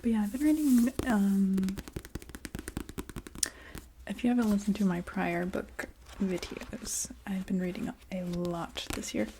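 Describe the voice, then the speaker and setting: Female, soft ASMR chat drifting into whispers, medium pitch, noisy recording with small clicks. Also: measured pace, pauses often. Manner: soft speaking that often drops into a whisper. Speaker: ASMR video creator. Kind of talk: soft-spoken ASMR, casual rambling chat.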